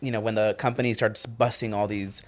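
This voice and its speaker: A man, a union organizer guest, telling stories in a relaxed, chatty way on a radio talk show. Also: on the low side, fairly quick. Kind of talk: casual chat.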